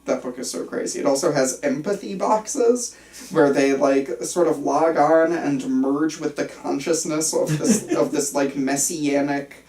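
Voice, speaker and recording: A man with a fairly high voice chats informally in a roomy space, some way from the mic. He explains things with enthusiasm, often pausing mid-thought and drifting into digressions. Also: a little mellow. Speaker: participant at a film script table reading. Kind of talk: casual rambling discussion. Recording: roomy, picked up from a distance.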